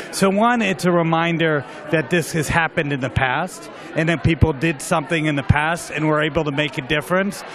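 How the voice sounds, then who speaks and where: A man's voice: sits high, fairly bright tone. A man speaking passionately and persuasively in an interview. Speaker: panelist.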